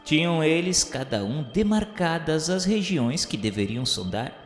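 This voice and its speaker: A man narrating a radio novel in a measured, solemn literary reading. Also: fairly high pitch, very animated. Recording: roomy reverberant sound with music bed. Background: music.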